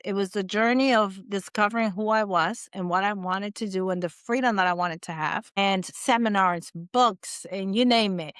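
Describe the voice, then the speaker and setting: A woman in her forties from the Dominican Republic, a guest telling her life story in a casual interview, animated and acting out her own past thoughts. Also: medium pitch, smooth, no room sound, studio quality. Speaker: guest, agency owner.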